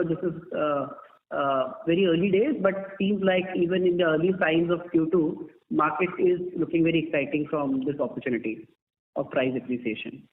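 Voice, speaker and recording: A man with an Indian accent, a company executive answering investors in measured corporate speech peppered with "you know", over a tinny conference line. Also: on the high side, a little hiss or hum. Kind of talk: earnings call answers. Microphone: telephone.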